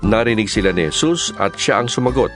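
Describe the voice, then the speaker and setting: A man's voice: fairly low pitch, expressive, fairly quick, a bit bright, faint music behind. A man narrating scripture as a scripted, dramatized storytelling reading.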